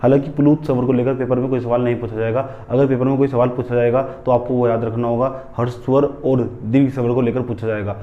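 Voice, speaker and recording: A male Hindi teacher lectures a class at a middle pitch, drilling terms by repeating them and posing questions he answers himself. He keeps telling students to write headings in their notebooks. The sound is a little dull and lo-fi. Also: flat delivery, fast, few pauses.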